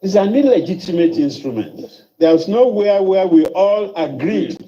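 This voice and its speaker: A man from Nigeria speaking in an interview clip, arguing deliberately with some hesitations. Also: sits high, lively intonation, mellow, slight background noise. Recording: dull lo-fi archive clip.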